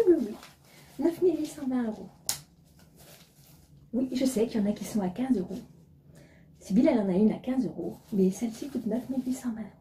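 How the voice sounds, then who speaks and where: A woman's voice: fairly high pitch, warm tone, reverberant, a little hiss or hum, lightly acted. A woman playing an anxious rich woman in a comic sketch, who frets and boasts about what things cost. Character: anxious, fearful rich woman back from abroad.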